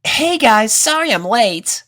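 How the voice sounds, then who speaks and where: A man's voice: very high voice, very animated, slow pace, sharp tone, voice pushed up, exaggerated voice. A man voicing a cocky young colt pony in a storybook reading, boyish and defensive. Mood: casual, puzzled.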